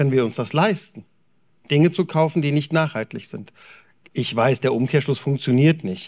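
Ordinary pitch variation and a moderate pace mark this speech over a quiet background. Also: man. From Rhineland, Germany (Bonn); Rhineland, Germany. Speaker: industry association representative; conference speaker. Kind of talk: conference talk. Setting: stage with audience. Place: hall. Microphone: handheld.

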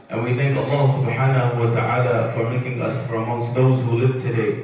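A man speaks at a moderate pace in a monotone, flat way. Strong room echo surrounds his voice. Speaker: preacher. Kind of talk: sermon. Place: church.

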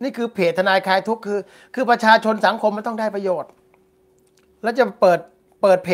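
The voice belongs to a man. His pitch moves up and down in an ordinary way. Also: quiet background. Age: 50s. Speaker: lawyer and online show host; lawyer, online show host. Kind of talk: casual livestream talk to viewers. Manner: loud. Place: home room. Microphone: lapel.

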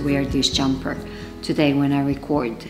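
A woman's very deep, low pitch at a moderate pace, with music in the background. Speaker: knitting podcast host. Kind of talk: casual vlog chat. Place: home room. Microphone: camera far.

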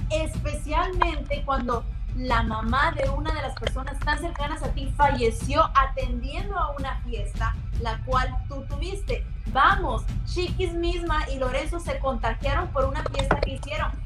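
A woman speaking at a fairly slow pace, with clear music in the background. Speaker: entertainment show host. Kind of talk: celebrity gossip commentary. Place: home room. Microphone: webcam.

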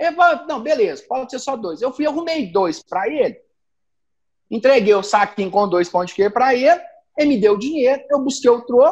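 With a Minas Gerais accent, a man talks at an extremely high pitch and a fairly quick pace. His intonation is lively, and the background is quiet. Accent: mineiro Brazilian Portuguese. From Divinópolis, Minas Gerais, Brazil. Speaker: shop owner. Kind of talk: casual interview chat. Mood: relaxed, humorous storytelling. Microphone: video call.

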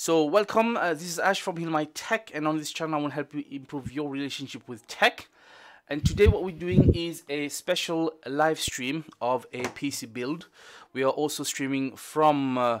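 Light background noise sits behind a man speaking. He keeps a moderate pace with ordinary pitch variation. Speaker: tech channel host. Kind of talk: live stream host chat. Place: home room. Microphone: studio mic.

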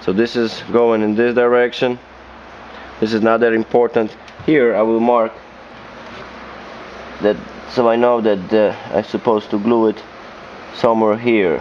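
A man at a moderate pace with long, frequent pauses, monotone, flat intonation, very even loudness and light background noise. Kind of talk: tutorial. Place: bathroom. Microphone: camera far.

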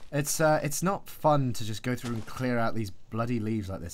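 Talking at a fairly quick pace, a man with a British accent speaks at a medium pitch. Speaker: gamer. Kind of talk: casual gaming chat. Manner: laid-back, joking.

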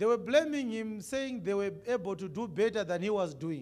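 A man talks at a moderate pace, high in pitch and with lively intonation. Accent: Zimbabwean. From Zimbabwe. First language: Shona. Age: 30s. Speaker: pastor. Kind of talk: sermon. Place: church. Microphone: handheld.

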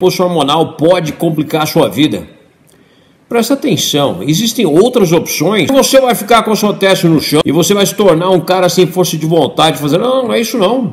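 A man with a high voice speaks with lively intonation. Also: moderate pace. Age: 60s. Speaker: fitness and steroid YouTuber; steroid YouTuber. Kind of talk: casual vlog talk to viewers. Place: home room. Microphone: phone near.

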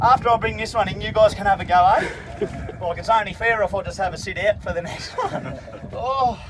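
A man speaks at a fairly quick pace. Noticeable background noise runs underneath. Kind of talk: excited casual banter while fishing. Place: boat. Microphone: camera far.

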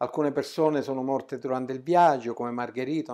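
A man's dark, mellow tone at a medium pitch, with fairly even intonation and a fairly quick pace, against a quiet background. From Sicily, Favara (Agrigento); Sicily. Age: 70s. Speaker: retired primary school teacher, writer and musician; retired primary school teacher. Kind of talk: interview. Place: studio.

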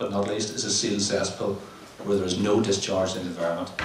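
Amid noticeable background noise and audible room echo, a man talks very fast at a fairly low pitch. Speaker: presenter. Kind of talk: conference presentation. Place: hall. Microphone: podium.

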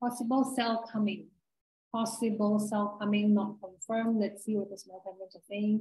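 A woman's fairly high, somewhat breathy voice in a dark, mellow tone, with monotone, flat intonation, big swings in loudness, audible room echo and a quiet background. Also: moderate pace. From Malaysia. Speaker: full-time trader and webinar presenter; trader hosting online Q&A. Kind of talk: live trading webinar tutorial. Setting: video call webinar. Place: home room. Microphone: webcam.

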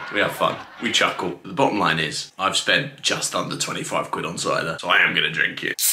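Fairly quick delivery from a man amid light background noise. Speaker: YouTube drink reviewer. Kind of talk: casual comedic review monologue. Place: home room.

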